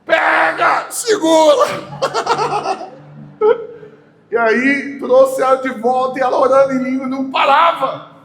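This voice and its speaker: A Brazilian man with a Goiás accent, preaching a sermon as a pastor and telling a story with acted-out dialogue that swings from hushed to loud. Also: very high-pitched, fairly even intonation, normal speed. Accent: Goiás Brazilian Portuguese. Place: large church hall. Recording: echoey church hall, faint background noise.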